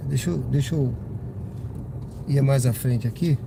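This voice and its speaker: A Brazilian rideshare driver chats casually with his live-stream viewers from inside his car while driving at night, rambling with lots of tag questions and sounding slightly congested from a cold. His voice is medium-pitched, unhurried and gravelly, over car and road noise.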